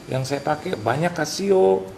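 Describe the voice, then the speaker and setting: A middle-aged male pastor preaching a sermon, animated, acting out conversations and mixing in English phrases. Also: on the high side, unhurried, gravelly. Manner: animated preacher who acts out dialogues and drops English phrases. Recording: noisy live sermon recording.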